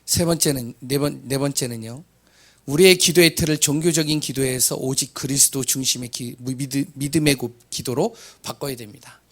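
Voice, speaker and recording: A hoarse man preaching a sermon, asking rhetorical questions and swinging from loud cries to hushed asides, stumbling over words now and then. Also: medium pitch, fairly even intonation, normal speed.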